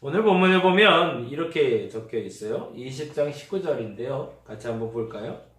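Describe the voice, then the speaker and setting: Preaching in a church sanctuary, a pastor speaks in a medium-pitched, fairly bright and expressive voice at a moderate pace. His sermon is conversational, sprinkled with everyday remarks he acts out, and the distant mic picks up the echoey hall.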